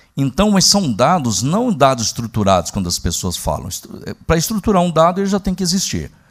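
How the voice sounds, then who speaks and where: A man with a Minas Gerais accent, fairly high pitch and very wide pitch swings, at a fairly quick pace with hardly any pauses, on a very clean recording with a silent background. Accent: mineiro. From Minas Gerais, Brazil. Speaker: technology executive, panelist. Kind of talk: panel discussion at conference. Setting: stage with audience.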